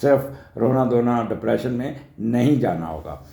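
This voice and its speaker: A man's voice: mid-range voice, animated, moderate pace, gravelly, mellow, roomy sound. An older man from Pakistan with a Lahore Urdu accent, giving a chatty weekly horoscope talk that rambles into anecdotes and drops in English phrases. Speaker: astrologer.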